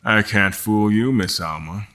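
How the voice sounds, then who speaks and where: An actor playing a frustrated, wry mortal guest in an audio drama, choosing words in a deliberate, formal, dry manner. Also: male voice, lowish voice, pushed and bright. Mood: careful, probing. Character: mortal male guest, frustrated, wry, carefully probing captors. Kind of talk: audio drama acting with first-person narration.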